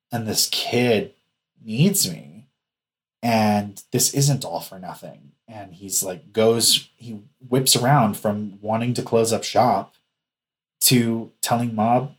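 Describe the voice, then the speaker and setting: A man co-hosting a casual podcast, retelling anime scenes in a lively, laughing way. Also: fairly low pitch. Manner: animated storyteller, laughs easily. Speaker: podcast co-host. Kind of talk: casual anime review chat.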